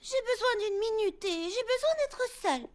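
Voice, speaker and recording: A woman playing a sweet, earnest young girl leader in a children's cartoon, speaking with clear emphasis. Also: very high voice, expressive, normal speed. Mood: overwhelmed, torn. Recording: loud music behind.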